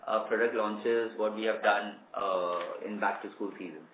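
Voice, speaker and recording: Echoey phone-line Indian businessman, lowish voice. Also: fairly even intonation, normal speed, a little hiss or hum. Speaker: company executive answering analysts. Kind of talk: earnings call answers. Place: conference call, roomy space.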